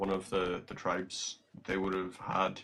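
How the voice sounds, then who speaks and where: With a very deep, low pitch and a bright, sharp tone, a man speaks at a fairly slow pace. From Northern Ireland. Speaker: gaming streamer. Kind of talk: casual chat while playing a game. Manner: casual, hesitant with fillers.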